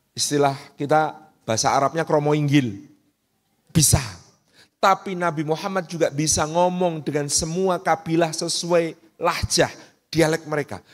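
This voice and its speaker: A man giving a sermon in a lively, humorous storytelling manner. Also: on the high side. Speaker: preacher.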